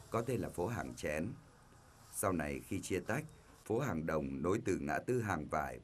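A man reading a scripted documentary narration in a calm, measured way. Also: deep voice. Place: voice-over studio. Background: faint music.

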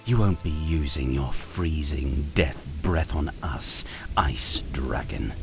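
A man reading a fantasy storybook aloud, voicing a menacing male dragon soldier who taunts in a low whisper. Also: lively intonation, drawn-out words, gravelly, soft background music, exaggerated voice. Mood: taunting.

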